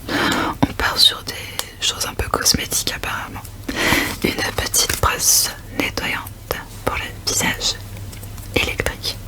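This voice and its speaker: Someone whispers at a very slow pace in a calm tone, leaving long, frequent pauses. Noticeable background noise is present. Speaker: ASMR creator. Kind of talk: ASMR talk on stress and burnout. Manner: whispered; soft-spoken, calm.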